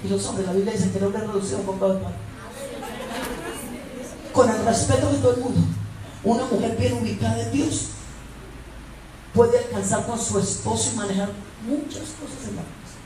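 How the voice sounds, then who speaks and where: A woman preacher delivering an emphatic, humorous sermon, swinging between hushed asides and shouts. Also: medium pitch, normal speed, pauses often, a faint crowd. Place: church with congregation. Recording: echoey hall, distant mic. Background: congregation laughter and noise.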